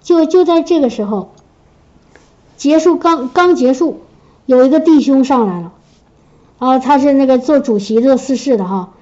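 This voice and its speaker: A woman's voice: high voice, normal speed, long pauses, mellow. A middle-aged woman telling a personal church testimony in a chatty way, with many restarts. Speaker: church member giving testimony. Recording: dull lo-fi recording.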